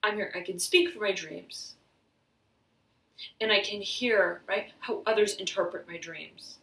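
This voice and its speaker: A woman giving an intuitive tarot reading, halting and searching as she talks, slightly hoarse, often saying "right" and "I'm hearing.". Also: medium pitch, sharp tone, distant mic. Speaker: tarot reader. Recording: roomy echo, voice off-mic.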